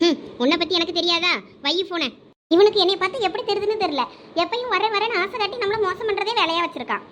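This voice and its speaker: A woman's voice: very high-pitched, quick pace, a bit bright, slight background noise. A woman in a village comedy skit, voicing an annoyed young girlfriend who sulks at her boyfriend. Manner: annoyed, sulking.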